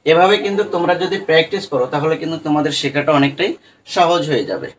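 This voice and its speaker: A man teaching English pronunciation in an online lesson, patiently breaking long words into parts and repeating them slowly. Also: on the high side, a little hiss or hum, poor audio.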